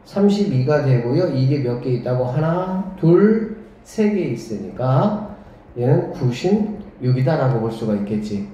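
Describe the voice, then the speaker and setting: A man's voice: medium pitch, sing-song, measured pace, dark tone. Man teaching math, very echoey room. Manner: questioning, leads students with rhetorical checks; talks while drawing on the board, murmuring along. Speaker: academy director teaching math. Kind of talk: whiteboard math lesson. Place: classroom. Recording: echoey classroom on a dull lo-fi mic.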